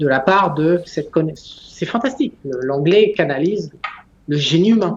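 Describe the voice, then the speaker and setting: A man with a fairly high pitch talks with ordinary pitch variation. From France. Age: 40s. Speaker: investor, youtuber. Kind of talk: interview. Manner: halting.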